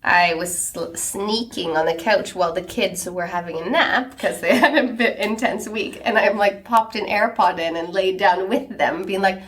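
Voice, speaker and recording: A woman's voice: mid-range voice, a bit bright. A woman in her thirties co-hosting a podcast, reacting eagerly and chatting casually about her family. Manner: enthusiastic, quick to react. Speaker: podcast co-host. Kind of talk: casual chat.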